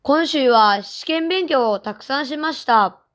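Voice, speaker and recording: A woman reading translations of example sentences in a plain, measured way for learners. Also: high-pitched, lively intonation, fairly bright tone, dry recording. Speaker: translation reader.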